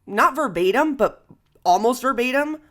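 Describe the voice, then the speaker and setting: A woman hosting a casual podcast conversation, expressive and exclamatory, slipping Spanish phrases into her English. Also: a little high, moderate pace. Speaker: podcast host and comedy writer.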